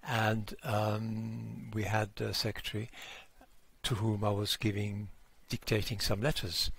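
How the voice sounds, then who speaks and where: A man in his seventies with a French accent, telling his story as an interview guest and pausing on frequent fillers. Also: on the low side, little pitch movement, creaky, a bit bright, slightly rough. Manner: hesitant, pausing on many fillers.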